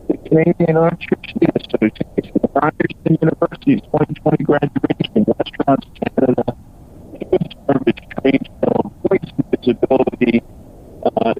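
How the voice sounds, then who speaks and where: A man presenting as a company executive, reading scripted earnings call remarks in a halting way with broken phrasing. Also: on the high side, a little hiss or hum. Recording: dull, lo-fi conference call audio.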